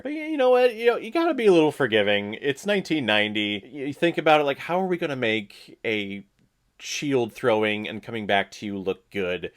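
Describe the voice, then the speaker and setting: A man hosting a casual movie watch-along, joking sarcastically and talking back to the screen. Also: fairly low pitch. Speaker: reaction video host.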